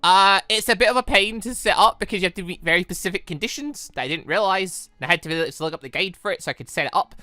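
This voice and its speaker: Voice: mid-range voice, quick pace, hardly any pauses, sharp tone, no room sound. A chatty let's-play host, rambling casually and correcting themself mid-thought. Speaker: host of a gaming channel.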